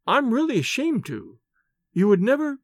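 A coquettish teenage schoolgirl, as a male reader plays her, high and swooping in pitch. She is arch, breathless and mocking, with a theatrical affectation in her storybook dialogue. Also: huge pitch swings, moderate pace, no room sound, studio quality, exaggerated voice. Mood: confiding. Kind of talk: audiobook character dialogue.

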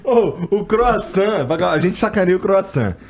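Lively slangy male podcast host. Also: high voice, measured pace, over a noisy crowd. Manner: slangy, swears freely, teasing. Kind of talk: casual podcast chat.

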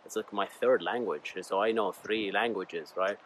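Low-voiced man with an Arabic accent. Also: moderate pace, fairly bright tone, slight background noise. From Bahrain. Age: 30s. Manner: informal, rambling, addresses listeners as "guys". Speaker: podcast host. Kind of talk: casual solo talk, personal storytelling.

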